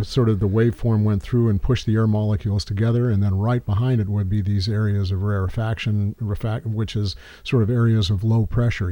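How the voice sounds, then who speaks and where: A man in his sixties speaks in a low, mellow voice. He explains things in casual chat, rambling and repeating words as he goes. The sound is dry and close, with no room around it. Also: no room sound. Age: 60s.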